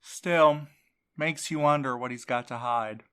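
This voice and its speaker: A woman's voice: a bass voice, a little slow, a bit bright, clean tone. A woman playing a blunt, bitter courier. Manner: blunt, sardonic. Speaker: night courier. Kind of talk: audio drama acting.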